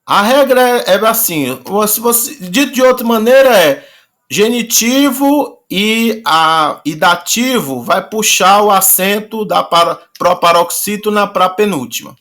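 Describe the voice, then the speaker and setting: A male teacher gives an online class, patiently repeating and slowly drawing out words. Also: high-pitched, expressive, a bit bright.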